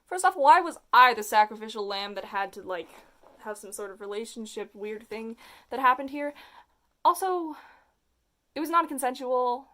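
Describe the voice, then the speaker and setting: Young vlogger with a feminine voice, comedic reading of their own childhood story, self-mocking, big outbursts. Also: female voice, on the high side, lively intonation, moderate pace, fairly bright tone.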